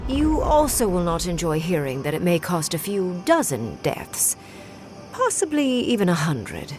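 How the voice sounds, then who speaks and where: A pragmatic female scholar in a video game. Her voice sits fairly low and moves freely in pitch while she explains things with clinical, formal calm. Music plays underneath. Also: a little slow. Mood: clinical, explaining. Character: coolly rational female scholar weighing lives pragmatically.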